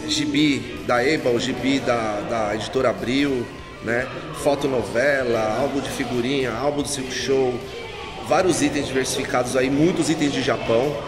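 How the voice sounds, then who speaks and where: A man in his forties with a Brazilian Portuguese accent, an event organizer chatting casually about his exhibition, recorded on a phone at arm's length in an indoor pavilion. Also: mid-range voice. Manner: relaxed, chatty, with frequent filler tags. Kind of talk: casual promotional interview. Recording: reverberant hall with music behind.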